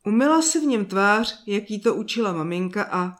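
A woman narrating a children's fairy tale in a calm, soft and slow reading voice. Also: medium pitch. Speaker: storyteller. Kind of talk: scripted storybook narration.

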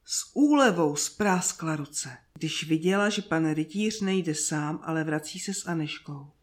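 A woman narrating a fairy tale in a slow, soft storytelling manner with drawn-out pauses. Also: deep voice.

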